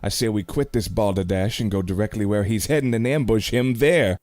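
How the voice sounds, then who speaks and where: An actor playing a brash frontier cowboy in a radio play, talking in blunt, folksy slang and pushing for action. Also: male voice, on the low side, brisk, a little mellow, no echo, close to an everyday voice. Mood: blunt, eager. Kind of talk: community radio play acting.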